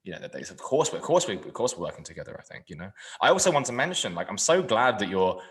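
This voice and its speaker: A man hosting a casual podcast chat, rambling with many fillers and often trailing off quietly. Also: on the low side, sing-song, fast talker. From England. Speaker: podcast host.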